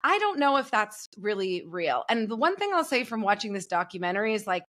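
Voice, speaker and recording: A young woman speaking from a room at home over a video call, a guest on a pop culture podcast. Her voice is bright and sharp, and she talks in a chatty, gossipy way. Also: mid-range voice, sing-song, brisk. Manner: chatty, gossipy, laughs easily. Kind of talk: casual pop culture chat. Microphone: video call with earbuds.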